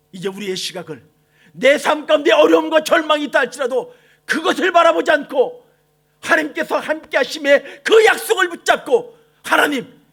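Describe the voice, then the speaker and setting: A male pastor giving a dawn-prayer sermon, moving between quiet passages and shouted, drawn-out lines. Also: very high-pitched. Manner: swings between soft and shouted lines, quoting God with slow emphasis. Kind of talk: impassioned sermon.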